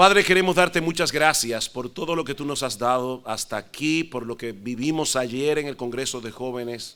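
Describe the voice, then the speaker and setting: A man with a Dominican accent speaks at a medium pitch and a moderate pace, with ordinary pitch variation. His tone is bright and sharp, and he hardly pauses at all. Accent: Dominican Spanish, Z and C pronounced as S. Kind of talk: prayerful, solemn.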